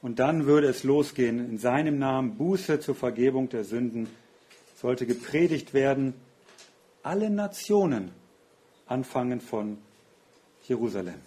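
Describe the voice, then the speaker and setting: A man's voice: mid-range voice, lively intonation, measured pace, mellow. A man preaching a sermon in an earnest, reflective way, often asking rhetorical questions.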